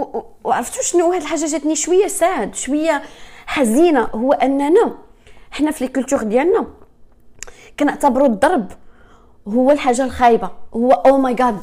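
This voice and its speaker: Fast-talking Moroccan woman, earnest. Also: fairly high pitch, a little mellow. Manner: fast, earnest, mixing in French and English words. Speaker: speaker sharing her own experience. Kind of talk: personal talk to viewers.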